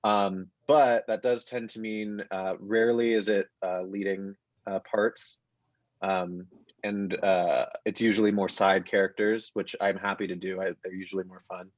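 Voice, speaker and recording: Male, about 30, lower register, thoughtful and halting panel guest, dry but dull-sounding audio. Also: level tone, no echo. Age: 30s. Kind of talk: reflective panel conversation. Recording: muffled, dull online-call audio.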